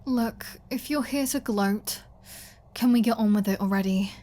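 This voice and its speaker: A woman's voice: on the high side, normal speed, mellow, slight background noise, close to an everyday voice. A woman playing a flirty, defiant captive vampire in an ASMR audio roleplay, teasing and mocking with a sarcastic drawl.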